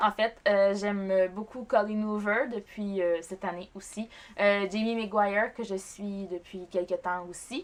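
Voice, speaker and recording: This woman talks at a fairly slow pace. Her pitch is medium and her intonation fairly even. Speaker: book vlogger. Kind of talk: casual vlog talk. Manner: hesitant, many fillers.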